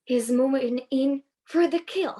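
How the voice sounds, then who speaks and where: An actress playing a humble suppliant in a Greek tragedy chorus, speaking in a solemn, measured way. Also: female voice, high voice, warm tone. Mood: fearful. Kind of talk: dramatic reading of ancient Greek tragedy.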